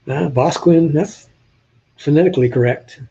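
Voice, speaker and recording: An older man from New Hampshire, with a slight Southern drawl and New England traces, chats and jokes with viewers in his live-stream chat while showing old photos. His voice is dark, a little husky and a little high, at a moderate pace. The audio is dull and slightly lo-fi.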